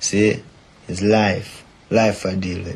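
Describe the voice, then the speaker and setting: This is a man talking. His pitch sits fairly low. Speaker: interviewee. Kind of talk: interview answer. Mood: calm, earnest. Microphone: old recording.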